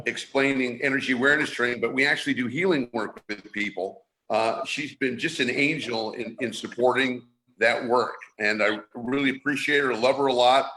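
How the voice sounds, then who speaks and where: A man's voice: medium pitch, steady tone, normal speed, bright, forceful tone. A middle-aged man from San Francisco hosting a live online show, talking casually with many restarts and fillers. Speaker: show host. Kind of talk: casual live-stream talk.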